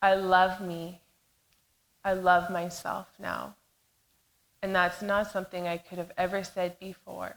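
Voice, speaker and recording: A woman with a Canadian West Coast accent talks at a medium pitch in a monotone, flat intonation. She goes at a fairly slow pace with long, frequent pauses and big swings in loudness. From Vancouver Island, British Columbia. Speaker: storyteller. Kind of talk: personal storytelling on stage. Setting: stage with audience.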